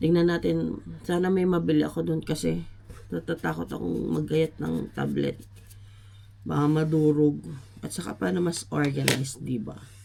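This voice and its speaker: This woman has a very deep, low pitch with very wide pitch swings. She talks at a moderate pace. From Philippines. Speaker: vlogger. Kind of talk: casual vlog talk. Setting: at home.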